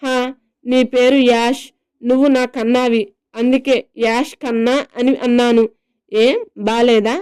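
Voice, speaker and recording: A drunk, childish young wife pouts and drawls her words in a slurred sing-song, as a woman reading the story puts her on. The voice sits fairly high and smooth, with a mellow tone, for an audio storybook. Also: fairly even intonation, moderate pace, lightly acted. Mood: tipsy, pouting. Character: tipsy, playful young wife, pouting and childish.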